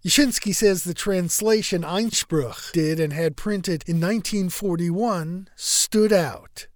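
A man reading a scripted radio news story in a measured, even reporting voice. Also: sits high, dry recording, studio quality.

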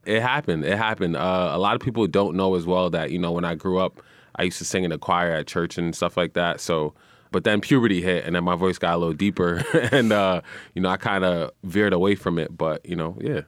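A man's voice: a little fast, no room sound. A young man, chatting easily as a guest in a radio studio. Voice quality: deep voice. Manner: relaxed, easygoing, says "man" and "you know" often. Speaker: guest musician and radio personality. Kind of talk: casual interview chat.

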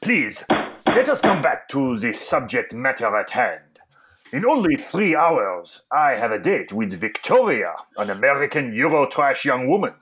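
A man playing a pompous, disgruntled talk radio host, in a radio comedy sketch, with a lively, swooping delivery. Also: medium pitch, measured pace. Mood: indignant. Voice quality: pompous, indignant.

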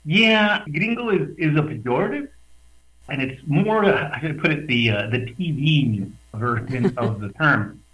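Animated man explaining over a call. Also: a little high, a little slow, low-quality recording. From West Texas border region. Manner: animated, thoughtful with hesitant restarts. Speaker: radio guest, researcher. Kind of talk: conversational explanation. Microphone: video call.

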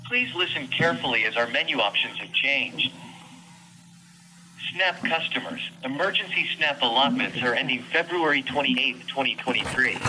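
Recorded phone menu message: male announcer, sharp and very bright timbre, formal and measured. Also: mid-range voice, a little hiss or hum, rough recording. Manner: even, measured, carefully enunciated.

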